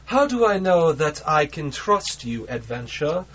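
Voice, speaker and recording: A man voicing a cultured, suspicious rival ship captain who speaks in a measured, formal way. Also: on the high side, sing-song, a bit bright, exaggerated voice. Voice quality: cultured, refined. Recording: dull lo-fi recording with background noise.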